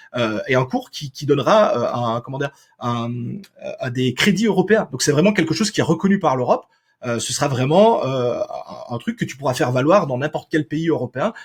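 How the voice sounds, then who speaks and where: With a Belgian accent, a man speaks in a fairly high voice that makes very wide pitch swings. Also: moderate pace. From Belgium. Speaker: crypto content creator. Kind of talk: podcast interview. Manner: hesitant, many fillers.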